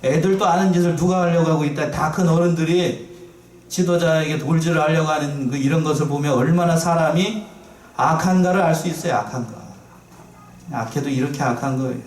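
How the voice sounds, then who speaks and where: A man's voice: fairly high pitch, fairly quick, a little mellow. A male pastor preaching a sermon, asking the congregation rhetorical questions and repeating his key phrases in a conversational way. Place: church sanctuary. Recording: echoey church from a distance.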